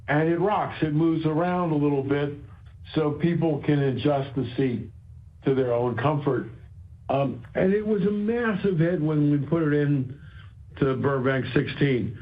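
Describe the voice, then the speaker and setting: A man speaking as a company executive on an earnings call, explaining in a halting way and repeating phrases for emphasis. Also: on the high side. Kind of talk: earnings call remarks, semi-prepared explanation. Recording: dull, band-limited conference call audio.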